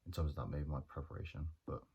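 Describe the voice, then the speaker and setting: A young man, a journalism student talking through his plans in a hesitant, monotone way with many pauses and restarts. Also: extremely low pitch, breathy edge, dull audio. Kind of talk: casual reflective monologue.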